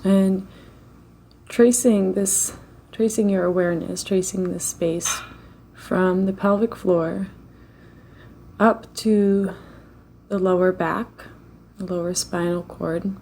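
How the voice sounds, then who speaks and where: A woman leading a slow guided meditation in a gentle, unhurried way, with long pauses between phrases. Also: mid-range voice, fairly even intonation, vocal fry, slight background noise.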